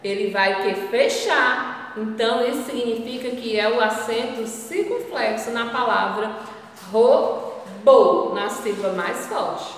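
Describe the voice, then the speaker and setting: A woman teaching a grammar lesson to children, drawing words out slowly, asking the class questions and then answering them herself. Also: on the high side, a bit bright. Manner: slow, drawn-out, stressing each syllable. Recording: roomy echo, distant from the mic.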